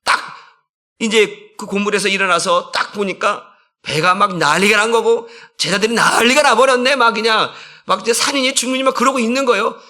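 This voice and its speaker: A man's voice: high voice, bright, forceful tone. A man preaching a conversational sermon as a senior pastor, asking the congregation questions and acting out quotes.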